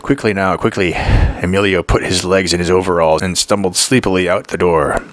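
A man narrating a literary audiobook with measured, even storytelling. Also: sits low, no room sound.

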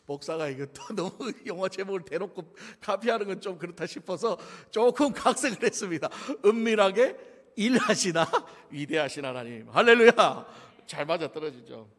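Gyeongsang accent pastor, high lively voice, cracking jokes in a sermon, big church echo. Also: male voice, husky. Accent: Gyeongsang Korean. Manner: joking, storytelling, laughs often. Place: church sanctuary. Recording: long church reverb.

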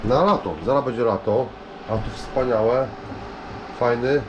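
A man giving casual, rambling vlog commentary, halting and repeating himself as he addresses viewers. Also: medium pitch, highs cut off, noisy background. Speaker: vlogger showing finds from discarded junk.

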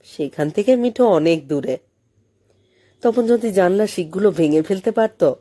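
A woman reading a story as an audiobook narrator, in an expressive scripted style. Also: medium pitch, unhurried.

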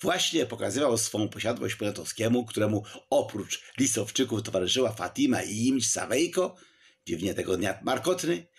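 Male narrator, gravelly, animated pitch, historical novel reading. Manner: lively storytelling reading. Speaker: audiobook narrator.

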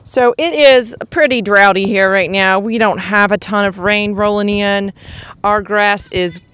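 A woman with a medium-pitched voice talks casually as a homestead vlogger. Her delivery is folksy and unscripted, like someone explaining things as she goes. She is recorded outdoors on a handheld microphone. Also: a little slow, a bit bright, clear, resonant tone. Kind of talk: casual vlog commentary. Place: outdoors on a grassy farm yard.

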